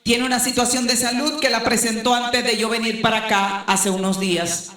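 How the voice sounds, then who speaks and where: A woman's voice: steady tone, moderate pace. Older woman preaching, echoey room. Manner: emphatic preaching, rising to shouts then dropping low. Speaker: pastor. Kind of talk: sermon.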